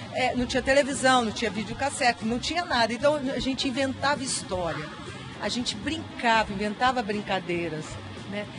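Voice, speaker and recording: With music in the background, a woman talks at a moderate pace, her high pitch carrying lively intonation. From interior of São Paulo state, Brazil. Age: 60s. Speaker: children's book author. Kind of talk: interview, personal storytelling.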